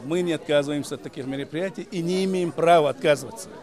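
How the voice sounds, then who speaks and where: A man's voice: a little high, fast talker, darkish tone. A man, an official, giving hesitant, formal remarks with many fillers. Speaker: official speaking at a meeting. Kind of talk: impromptu remarks to a reporter.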